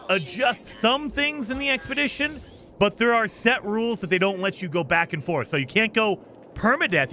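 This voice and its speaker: Bright, lively male streamer, slightly scratchy. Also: sits high. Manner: upbeat, thanks viewers by name, explains game rules. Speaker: game streamer. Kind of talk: casual live-stream chat and gameplay commentary.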